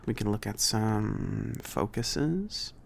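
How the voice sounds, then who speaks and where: Man playing a creaky-voiced, easygoing shopkeeper mage. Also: fairly low pitch, animated, takes it slowly, slight background noise, exaggerated voice. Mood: accommodating, rambling. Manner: hesitant, rambling, accommodating. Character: friendly, slightly awkward male mage running a magic shop. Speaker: ASMR roleplay performer. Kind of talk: soft-spoken ASMR roleplay, casual and improvised.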